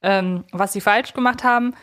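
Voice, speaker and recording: Woman podcast co-host, medium pitch, chatty but thoughtful analysis, feels for her words. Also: moderate pace, fairly bright tone.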